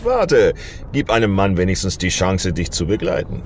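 A man's voice: sits low, big pitch swings, normal speed, a little hiss or hum. A man acting a stubborn, regretful old father in a German audio drama, speaking in a weary, grave, emphatic way. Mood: gentle. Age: older.

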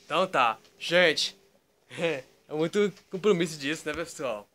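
A man's voice: on the high side, measured pace, bright, forceful tone. A man rambling to his webcam from his bedroom, tagging nearly every phrase with "tá?" or "né?". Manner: repeats "tá?" and "né?" constantly, loose digressive storytelling. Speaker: YouTube vlogger. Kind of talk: rambling casual talk to camera. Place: bedroom at home, indoors.

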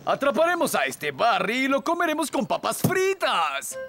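A man voicing a pompous, stubborn, excitable fairy king and father in a Latin American Spanish cartoon dub. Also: very high-pitched, normal speed, gravelly, faint music behind, full character voice. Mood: determined. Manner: pompous, emphatic.

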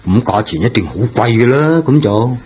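Husky, fretful older servant. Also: male voice, medium pitch, lively intonation, normal speed, darkish tone. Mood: doubtful. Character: kindly, fretful older male school servant, easily flustered. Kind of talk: Cantonese radio drama acting. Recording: dull, lo-fi old radio recording.

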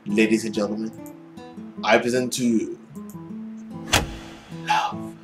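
A young man reading a visual novel aloud dramatically, with an expressive, theatrical manner. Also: fairly low pitch, takes it slowly. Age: young adult. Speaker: let's play host. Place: small indoor room at home. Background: music.

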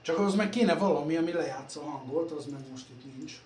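A man talking casually while working on computers in his workshop, rambling and self-deprecating, recorded on a phone. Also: a little high. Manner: rambling, self-deprecating, trailing off softly at phrase ends. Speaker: computer repair vlogger. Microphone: phone camera. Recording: echoey workshop room, faint ambience.

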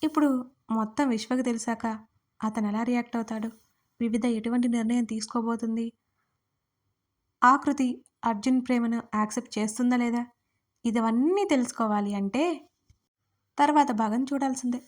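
Lady reading an audio love story, calm and steady, kinda high voice. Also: moderate pace, pauses often. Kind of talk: scripted audio story narration.

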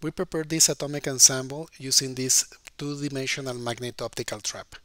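A man narrates a lab tour in a steady, read-aloud voice-over. His tone is very bright and sharp, and the recording is close and dry with no room sound. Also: medium pitch, fairly quick, dry recording.

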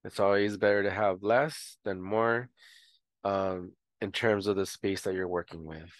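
A man's voice: low voice, measured pace, dry recording. A man explaining a homesteading tutorial in a casual, rambling way, with frequent ums and restarts. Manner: relaxed, rambling with many fillers. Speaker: homestead educator.

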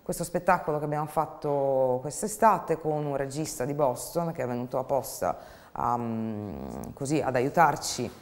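Woman in her 30s, low voice, thoughtful interview talk from a theatre artist. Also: lively intonation, moderate pace, darkish tone. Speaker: theatre artist presenting her company's work. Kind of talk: reflective interview to camera. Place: dark indoor studio.

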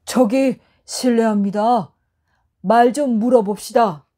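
A woman's voice: on the high side, slow, dark tone. A woman doing a thirsty, puzzled male traveler. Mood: polite. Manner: exclaiming, bewildered.

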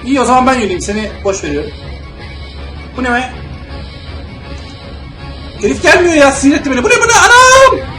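A young man plays through a shooter game and talks the whole time, muttering calm asides and then suddenly yelling and cursing at the enemies. His pitch leaps around wildly. The room is echoey, with game music playing faintly behind him. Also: fast talker, long pauses. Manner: excitable, yells and swears at enemies, then mutters calmly. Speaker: gamer playing a video game. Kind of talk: let's play commentary.

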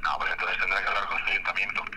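A man's voice: sits low, completely flat delivery, very fast, heavy background noise. A man with an accent from Spain giving brief official answers as an operator over the telephone. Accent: Spanish, from Spain. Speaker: phone operator and public service officer. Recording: telephone line with chatter behind.

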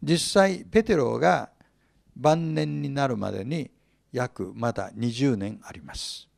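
A man's voice: mid-range voice, slow, gravelly, darkish tone, dry recording, clean studio sound. A man teaching the Bible in a sermon, reading scripture and retelling it with humor and chuckles.

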